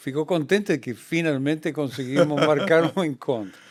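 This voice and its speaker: A man with a Spanish accent. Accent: Spanish accent in Portuguese, noticeable. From Argentina, Mendoza. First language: Spanish (speaking Portuguese). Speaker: winemaker. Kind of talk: interview.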